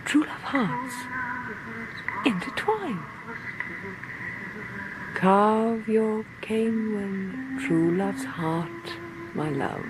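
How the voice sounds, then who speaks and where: A woman's voice: medium pitch, expressive, very slow, pauses often, noisy background. Genteel, brittle lady, swooping intonation. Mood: dreamy, eerie. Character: lady of the house, genteel, lonely, brittle and insistent. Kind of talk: BBC radio horror play acting.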